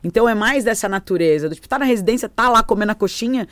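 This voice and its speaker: A woman chatting on a podcast, animated and fond of acting out quoted voices. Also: a little high, very fast, no room sound. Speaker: podcast guest, company founder. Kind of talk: casual podcast chat.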